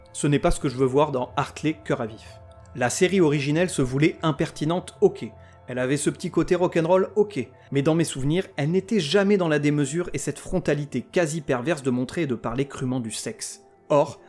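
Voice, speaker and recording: A man with a fairly high speaking voice hosts a scripted comic podcast about television. He rants with sarcasm and crude language, working himself into mock outrage between plain stretches of review. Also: a little mellow. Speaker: podcast host.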